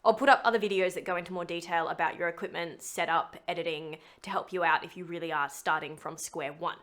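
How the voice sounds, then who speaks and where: A woman's voice: lowish voice, steady tone, quick pace, fairly bright tone. A woman voiceover actor hosting a scripted video tutorial in a chatty, emphatic, playful way.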